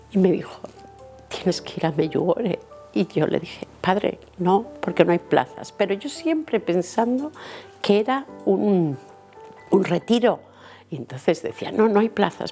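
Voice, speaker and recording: Woman, middle-aged, low voice, vivid storytelling that acts out each conversation, faint music behind. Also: vocal fry, mellow. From Italy and Spain. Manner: vivid, acts out dialogue and inner thoughts. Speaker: interviewee giving a faith testimony. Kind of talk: personal storytelling.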